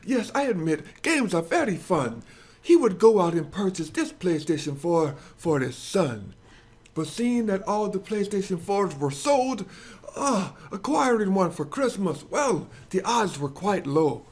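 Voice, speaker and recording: A man's voice: sits high, sing-song, measured pace. A man hosting and narrating a dramatized comic story in a crude, sarcastic, mock-dramatic way. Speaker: host and storyteller.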